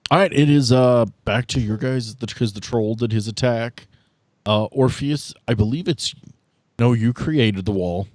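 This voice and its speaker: A man's voice: mid-range voice, a little slow, darkish tone, no echo. A man acting as game master of a tabletop game, casually narrating the action and giving rulings.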